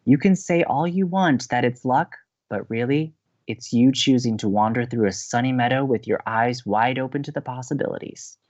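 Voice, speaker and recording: A man's voice: mid-range voice, moderate pace, a little mellow, lo-fi sound, close to an everyday voice. A young man acting an earnest, emphatic college radio co-host who believes in romance, in a scripted romantic comedy audio drama. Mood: earnest, dramatic.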